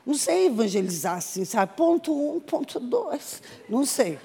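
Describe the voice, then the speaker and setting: Creaky-voiced woman missionary, echoing hall. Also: high-pitched, moderate pace. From Brazil. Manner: animated storytelling with acted quotes. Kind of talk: testimony sermon. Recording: reverberant hall.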